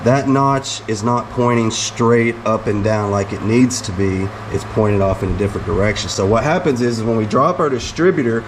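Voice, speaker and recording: A man's voice: lowish voice, normal speed, few pauses. A middle-aged American man casually explaining a hands-on repair in a folksy, conversational way. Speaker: DIY mechanic vlogger. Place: hot space around a truck, fan running. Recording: loud fan noise behind voice. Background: fan noise.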